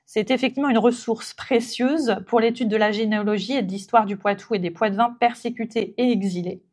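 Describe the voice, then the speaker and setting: A woman gives a spontaneous public talk about her heritage centre's collection. She hesitates often, filling gaps and restarting phrases. Her voice sits a little high. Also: fairly even intonation, a little fast, a little mellow. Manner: hesitant, many fillers and restarts.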